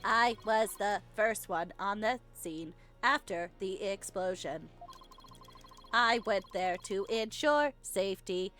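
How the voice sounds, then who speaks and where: A woman's voice: medium pitch, takes it slowly. A woman voicing a terse, detached male bomb disposal expert in a robotic, stilted way for a game read-aloud, with clipped phrases. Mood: flat, detached. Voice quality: robotic, flat, stilted delivery. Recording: game music behind the voice.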